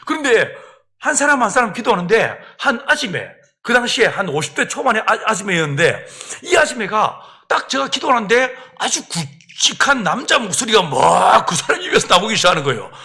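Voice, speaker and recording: High, animated middle-aged male preacher. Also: a little fast. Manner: lively storyteller who acts out voices and laughs. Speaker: pastor. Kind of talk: revival sermon with personal story. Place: church sanctuary.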